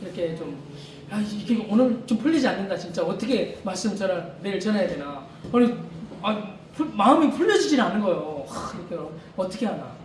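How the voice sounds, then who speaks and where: A man's voice: high-pitched, sing-song, faint music behind. Man preaching in an echoey church. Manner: conversational, repeats rhetorical questions, chuckles, halting restarts. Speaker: missionary preacher. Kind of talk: informal sermon. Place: church during a worship service. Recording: echoey room, far mic, faint noise.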